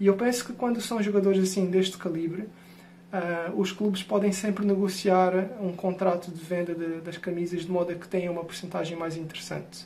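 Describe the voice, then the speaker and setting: A high male voice with a European Portuguese accent, fairly quick pace, fairly even intonation, and light background noise. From Portugal. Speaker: football fan. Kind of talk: recorded video contribution. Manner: halting. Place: home room. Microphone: webcam.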